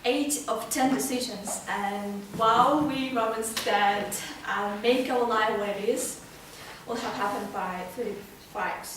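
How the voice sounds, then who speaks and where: A woman's voice: fairly high pitch, slow pace, fairly bright tone. A woman giving a prepared amateur speech at a club, hesitating and often restarting her phrases. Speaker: club speaker. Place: meeting room, recorded from a distance. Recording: very echoey room, distant mic, faint noise.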